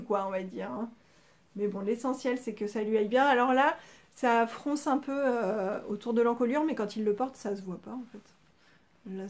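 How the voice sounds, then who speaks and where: A middle-aged woman talks through a sewing project in relaxed show-and-tell chat, a little high-pitched. She rambles, pauses and restarts often, hosting her crafting podcast from home. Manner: chatty, rambling, many hesitations.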